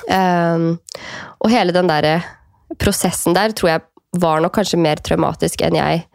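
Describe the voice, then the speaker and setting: A woman in her thirties with a low voice, chatting in a relaxed, reflective way. Her voice has a gravelly edge. The recording is dry and close. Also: no room sound. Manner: reflective, many fillers and quoted inner thoughts. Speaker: guest. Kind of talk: casual conversation.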